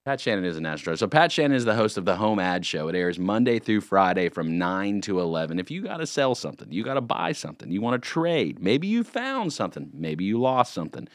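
Lively low-voiced radio host. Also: male voice, fast talker, few pauses, no echo, studio quality. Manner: animated, jokey, rambling. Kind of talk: casual morning radio banter. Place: radio studio. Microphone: studio microphone.

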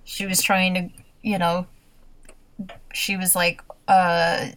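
A woman's voice: on the low side, level tone, takes it slowly, fairly bright tone, dry recording. A young adult woman co-hosting a casual TV recap podcast, talking with lots of laughs and acted-out quotes. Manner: chatty, laughs often, acts out quotes. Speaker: podcast co-host.

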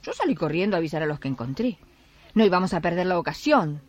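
An actress playing a weary, fiery wife and neighbourhood activist in a radio drama, with an Argentine accent and an emphatic way of talking. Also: female voice, fairly low pitch, sing-song, fast. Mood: pleading, urgent. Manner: emphatic, reproachful, with rhetorical questions. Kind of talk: Spanish-language radio drama acting.

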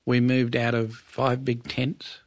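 A man in his seventies from Western Australia with an Aboriginal Australian accent, reminiscing conversationally as an interview guest, pausing and repeating words as he tells his story. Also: mid-range voice, completely flat delivery, no echo. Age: 70s.

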